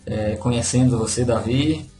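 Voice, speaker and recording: A podcast guest from Fortaleza, Brazil, with a Northeastern Ceará accent, casually tells his own story in a relaxed, modest way, tagging sentences with "né?" often. His medium-pitched voice moves at normal speed and echoes in the room, over faint soft music.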